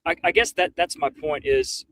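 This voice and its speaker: Gravelly, animated, higher-pitched man. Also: normal speed, dry recording. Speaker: livestream panelist. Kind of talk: casual roundtable discussion.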